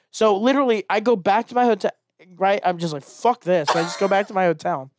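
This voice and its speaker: A man with an American accent at a very fast pace, ordinary pitch variation, dry, close sound with no echo, and a very clean recording over a silent background. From Dallas, Texas. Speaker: comedian. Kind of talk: casual chat. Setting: studio.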